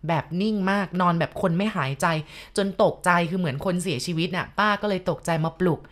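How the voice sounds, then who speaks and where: A woman tells a ghost story in a slightly low, steady voice. She speaks politely and turns to address her listeners directly as she recounts the events. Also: brisk.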